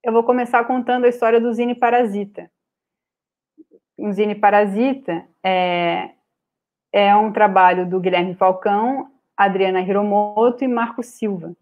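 A woman with a Brazilian Portuguese accent giving an online lecture over slides, pausing often with fillers and restarts. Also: mid-range voice, steady tone, phone-quality sound. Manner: hesitant, many filler "é" and restarts. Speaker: guest speaker on art publishing. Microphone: video call webcam.

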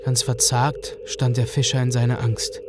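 A man narrating a fairy tale for a radio play in a calm, measured way. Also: mid-range voice, loud music behind the voice.

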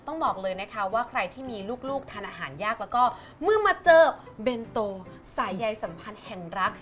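A woman's voice: on the high side, lively intonation, brisk, a bit bright. A woman co-hosting a TV family show in a studio, chatting in a playful, giggly way. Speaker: TV show co-host. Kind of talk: lively studio chat. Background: background music.

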